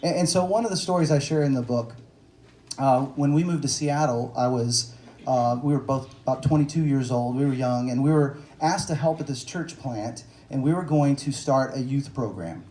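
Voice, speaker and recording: With a medium-pitched, dark voice and a moderate pace, a Texas author in his forties spins self-deprecating, joke-filled stories for a bookstore audience, chatting conversationally with many fillers. The room is echoey and carries faint noise.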